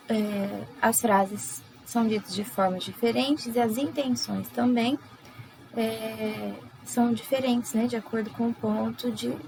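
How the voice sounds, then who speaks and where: A woman teacher with a Brazilian Portuguese accent giving a recorded lesson, explaining slowly with many fillers. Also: fairly high pitch, a little hiss or hum, poor audio.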